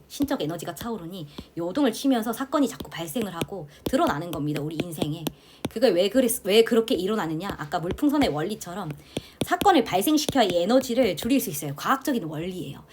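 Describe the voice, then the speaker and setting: A middle-aged woman from South Korea teaching a tarot class, talking in a chatty, animated way and often addressing her listeners directly. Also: medium pitch. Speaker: tarot instructor. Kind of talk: lecture to students.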